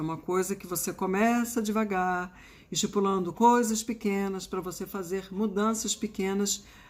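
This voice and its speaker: Speaking fairly slowly with fairly even intonation, a woman with an unremarkable speaking voice and a medium pitch comes through on a very clean recording with a silent background. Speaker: ADHD mentor and live streamer. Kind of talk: live stream talk to viewers. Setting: live stream.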